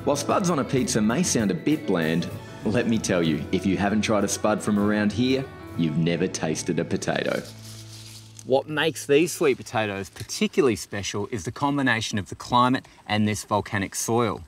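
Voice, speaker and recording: A man's voice: fairly low pitch, expressive, moderate pace. A man, hosting a lifestyle cooking show with upbeat, enthusiastic narration and chat outdoors. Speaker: host. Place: outdoors at a market, farm and garden. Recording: music playing under the voice.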